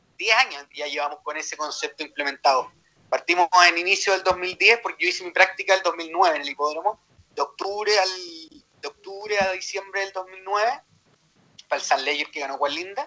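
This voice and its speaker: A man talks at a high pitch with ordinary pitch variation. Music plays in the background. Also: moderate pace. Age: 30s. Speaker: racetrack marketing manager. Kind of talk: radio interview.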